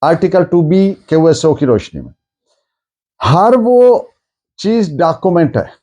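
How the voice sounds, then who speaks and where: This law lecturer, a man with a Pakistani accent, goes over key points more than once, phrasing them differently each time. He has a fairly high, mellow voice with big swings in pitch.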